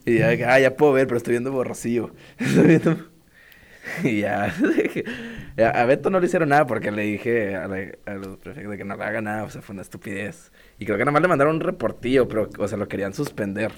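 A man's voice: on the low side, fast. A young man with a Mexican Spanish accent, telling a school story in casual slangy chat with a friend. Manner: laughing, slangy, quotes himself and others.

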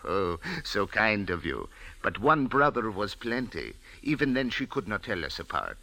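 A towering, courteous Arab gentleman in an old radio play. His voice sits very low with a gravelly edge and a bright ring, rising and falling widely. He speaks with formal, gracious politeness. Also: big pitch swings, moderate pace, dry recording, heavily acted. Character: tall suave Arab hotel manager and sheikh, courteous. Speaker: hotel manager. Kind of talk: 1940s radio acting.

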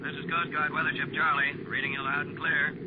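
An actor playing a steady male coast guard radio operator, heard over a radio transmission fading in through static, reading positions in clipped, flat procedure. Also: on the high side, fairly quick. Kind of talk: 1950s radio drama and sponsor spot. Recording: muffled, heavy static and engine noise.

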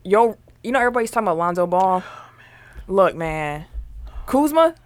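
A woman's voice: mid-range voice, sing-song, moderate pace. A woman co-hosting a casual sports chat podcast, emphatic and slangy, steering the talk to each new topic. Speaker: podcast co-host.

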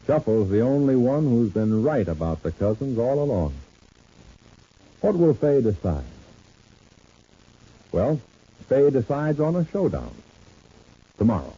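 A man speaking as an old radio announcer, reading scripted sponsor pitches and serial narration with emphatic salesmanship. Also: very animated, slow pace, pauses often, mellow, husky. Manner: emphatic salesman delivery with repeated slogans. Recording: muffled vintage radio broadcast recording.

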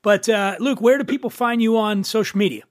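A man's voice: sits high, brisk. A man from Philadelphia with a Philly accent, hosting a podcast in casual, joking banter. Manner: joking, laid-back banter. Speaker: podcast host. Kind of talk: casual chat.

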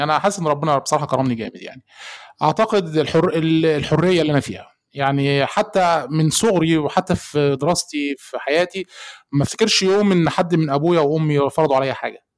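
A young Egyptian man speaks with an Egyptian Arabic accent as a podcast guest, rushing along very quickly in a somewhat high voice. He is easygoing and reflective and sometimes searches for the right word. The sound is dry and close. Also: no echo. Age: young adult. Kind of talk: casual podcast conversation.

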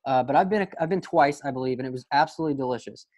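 A man's voice: medium pitch, rapid-fire, a little mellow. A man co-hosting a casual podcast, making harsh, exaggerated put-downs. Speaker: podcast co-host.

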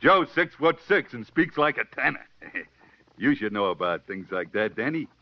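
An actor playing a tiny streetwise jockey man with laryngitis, speaking in a hoarse near-whisper in a 1940s radio drama. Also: mid-range voice, sing-song, moderate pace. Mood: hoarse, pleading. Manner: streetwise New York slang, hesitant. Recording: dull lo-fi 1940s radio recording.

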